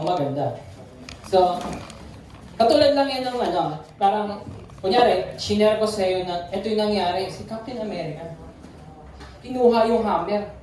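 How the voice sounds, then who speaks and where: A woman's voice: medium pitch, warm tone, a little hiss or hum. Filipino woman preaching in an echoey hall. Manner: chatty, playful, mixing English in. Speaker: youth speaker. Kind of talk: casual youth sermon. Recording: echoey hall, distant mic.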